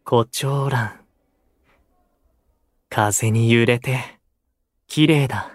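An actor playing a dreamy, quiet, flower-loving male idol in a Japanese voice drama, using few words. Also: mid-range voice, very slow, no echo, clean studio sound.

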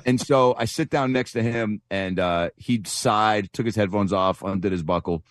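Man, comedian guest, low-ish voice, meandering anecdotes, uh-filled, dry recording. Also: normal speed, no echo. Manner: rambling storyteller with fillers and self-deprecating jokes. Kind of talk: casual anecdotal chat.

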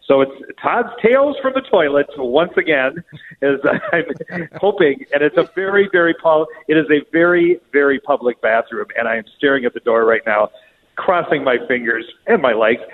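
A man chatting casually on air as a show regular, phoning in from an echoey public bathroom. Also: fairly high pitch. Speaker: radio show regular reporting by phone. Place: echoey public restroom in a restaurant. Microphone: phone. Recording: noisy phone line, echoing public bathroom.

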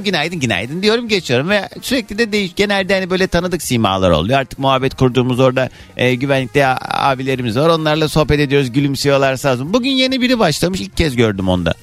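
A man hosting a morning radio show, telling an indignant story in an animated, chatty way full of sound words. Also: fairly high pitch. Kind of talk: casual monologue.

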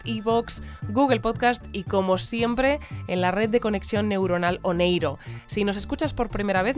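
A woman's voice: mid-range voice, natural voice. A woman playing a chatty, polite news presenter in an audio drama.

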